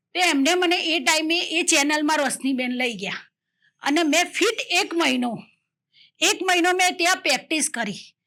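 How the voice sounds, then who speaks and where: A woman projects her voice at an extremely high pitch with lively intonation and a bright, sharp tone. The recording is very clean, with a silent background. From Gujarat, Mehsana. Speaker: YouTube comedy actress. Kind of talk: life story testimony.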